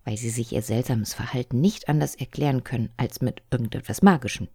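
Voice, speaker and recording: A woman's voice: extremely low pitch, fairly quick, warm tone, breathy edge, dry recording, clean studio sound, full character voice. A woman voicing a nervous eight-year-old boy in a storybook reading, hesitant and trying to sound clever. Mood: explaining.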